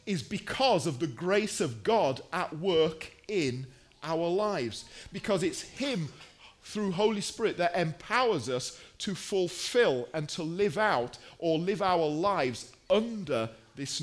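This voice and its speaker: Male preacher, high-pitched voice, very unhurried sermon delivery, deliberate emphasis with pauses. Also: lively intonation.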